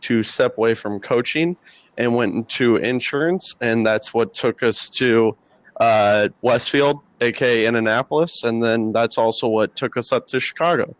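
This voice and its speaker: A man's voice: medium pitch, normal speed, no echo, poor audio. An American man in his twenties from the Midwest, chatting casually as a podcast guest. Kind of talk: casual chat. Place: basement.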